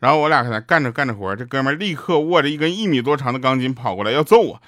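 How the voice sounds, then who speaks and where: A man's voice: medium pitch, animated, rapid-fire, dry recording, clean studio sound. Man, Northeastern Mandarin accent, mid-range voice, casual comic storytelling, laughs at own jokes. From Northeast China. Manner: chatty, laughs at his own jokes, gets loud at punchlines. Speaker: host telling jokes.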